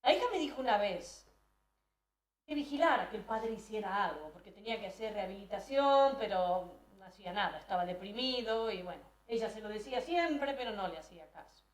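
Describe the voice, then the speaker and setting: A woman's voice: medium pitch, lively intonation, a little fast. Distant woman telling a story in a hall. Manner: hesitant, with frequent restarts. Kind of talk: dramatic first-person monologue. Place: live event hall. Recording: roomy hall, voice from afar.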